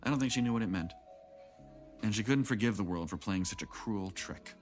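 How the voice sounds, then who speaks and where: A man's voice: fairly low pitch, brisk, close to an everyday voice. A man playing a jaded, guarded middle-aged man in an audio drama, with wry, reflective delivery. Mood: bitter, resigned. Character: jaded, guarded older man, bitter about his family. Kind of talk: naturalistic audio drama acting. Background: background music.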